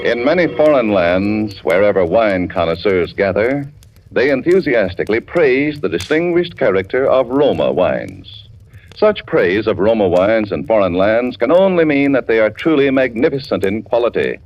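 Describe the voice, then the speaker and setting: A man reading a 1940s radio commercial with a smooth, persuasive delivery. His intonation rises and falls with great animation as he sells. The recording sounds dull and muffled like an old broadcast. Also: lowish voice, big pitch swings, moderate pace. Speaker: commercial announcer.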